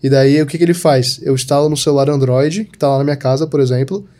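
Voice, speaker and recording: Speaking at a quick pace in a mellow, mid-range voice, a young podcast guest from southern Brazil's Santa Catarina keeps things casual. The digital marketer peppers his talk with "tipo" and "sabe."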